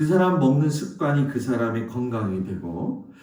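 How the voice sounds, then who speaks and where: A man is talking. The pitch of his voice swings very widely. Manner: dignified.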